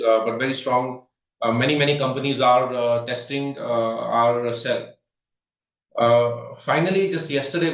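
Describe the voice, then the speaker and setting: Halting executive on a muffled call. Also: male voice, medium pitch. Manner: halting, many filler "uh"s and restarts. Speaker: company executive presenting results. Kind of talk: earnings conference call commentary. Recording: distant, roomy, dull conference call audio.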